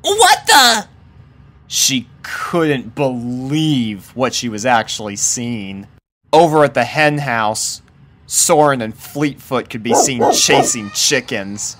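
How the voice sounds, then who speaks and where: Male narrator, slow pace, mid-range pitch, scripted fan fiction storytelling. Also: slight background noise.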